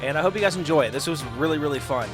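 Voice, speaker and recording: A man's voice: on the high side, very fast, music in the background. A man chatting casually as a podcast host and tabletop player, friendly and upbeat.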